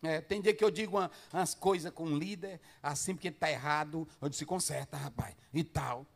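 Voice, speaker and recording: A pastor preaching to pastors, swinging between loud shouted passages and low asides and firing rhetorical questions at the listeners. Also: male voice, a little fast. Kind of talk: Pentecostal-style preaching to pastors.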